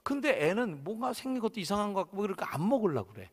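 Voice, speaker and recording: A male senior pastor preaching a sermon in a church sanctuary, animated and acting out the voices in his stories. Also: sits high, quick pace, slightly rough, long reverb tail.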